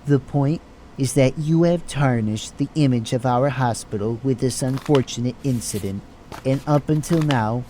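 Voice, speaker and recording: A man playing a stern, condescending hospital chief of staff in an audio drama, formal and measured. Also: mid-range voice, mellow, slight background noise, natural voice, rough recording. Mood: stern, dismissive.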